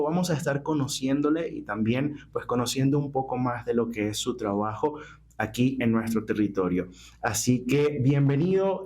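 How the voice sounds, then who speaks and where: Venezuelan man hosting a church podcast. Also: mid-range voice. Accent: Venezuelan Spanish. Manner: warm welcoming host, asks long winding questions. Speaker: podcast host.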